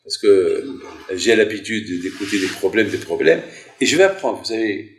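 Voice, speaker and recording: A man's voice: lowish voice, expressive, normal speed, a little hiss or hum. A man in his sixties, a rabbi telling a story in a sermon, repeating phrases for emphasis in a yeshiva hall. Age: 60s. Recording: roomy echoing hall.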